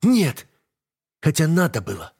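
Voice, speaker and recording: A man voicing a defiant, frightened young wife in an audiobook, raising his voice high and pleading. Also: lively intonation, normal speed, breathy edge. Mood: furious. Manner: pleading, shouting, breaking into sobs. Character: young woman, defiant, scared and furious wife. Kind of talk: audiobook narration.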